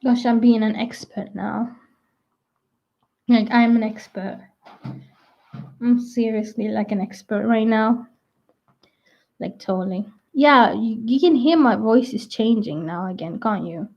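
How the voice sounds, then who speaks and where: A young adult woman rambling casually to her viewers, full of "like" and restarts, her voice croaky at times. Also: on the high side, unhurried, long pauses, a little mellow. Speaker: vlogger. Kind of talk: rambling casual chat to camera. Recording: dull lo-fi sound.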